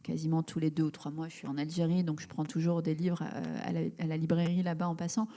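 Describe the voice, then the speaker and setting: A woman's voice: low voice, flat delivery, quick pace, warm tone. A woman in her thirties from Algeria, a writer answering questions in a live public interview, searching for words with many fillers and restarts. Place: event hall before an audience.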